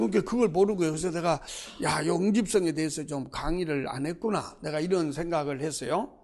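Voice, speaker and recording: Talking at a fairly quick pace, a man uses a high pitch with a dark, mellow tone. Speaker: exam prep lecturer. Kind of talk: lecture.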